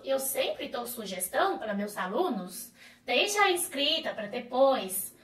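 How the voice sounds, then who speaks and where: Bright, animated woman teacher, native Chinese. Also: high voice. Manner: lively, encouraging, explanatory. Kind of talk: video lesson to camera. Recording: roomy echo, voice a bit far from the mic.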